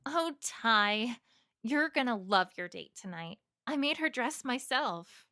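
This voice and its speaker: Fussy, doting older sister played by a woman, high bright voice, fan audio drama. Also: expressive, takes it slowly, dry recording, clean studio sound, heavily acted. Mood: doting, pleased.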